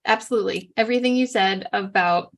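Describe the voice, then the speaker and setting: A woman's voice: mid-range voice, brisk. A woman in her forties hosting a live online talk, chatty and full of agreement. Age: 40s. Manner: chatty, with many fillers and restarts, warmly agreeing. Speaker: host.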